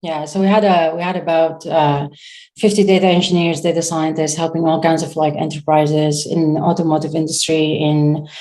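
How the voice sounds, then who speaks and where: A woman in her thirties from Syria speaks as a founder in a casual interview. Her voice sits unusually low for a woman. She talks in a halting way, pausing and restarting as she searches for the right words. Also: level tone, a little mellow. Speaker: startup founder, guest.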